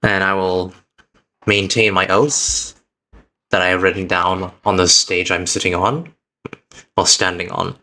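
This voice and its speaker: Earnest low-voiced man, bright tone. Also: little pitch movement. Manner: earnest, reflective, uneven pace with halting restarts. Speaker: VTuber streamer. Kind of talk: heartfelt personal speech to stream chat.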